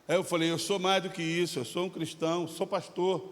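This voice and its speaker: An impassioned male pastor with a Brazilian Portuguese accent, preaching in a church. His voice sits high for a man, and it carries a long hall reverb. He moves from fervent shouting to easy, conversational anecdotes. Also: little pitch movement, brisk. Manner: impassioned, shifting from shouting to storytelling. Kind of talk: sermon. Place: church sanctuary.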